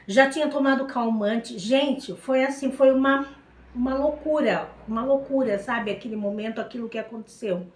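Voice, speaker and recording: A woman's voice: fairly high pitch, moderate pace, roomy sound, low-quality recording. A middle-aged woman with a Brazilian Portuguese accent, telling her faith testimony in an emotional, repetitive way and often turning to her listeners. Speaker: testimony speaker.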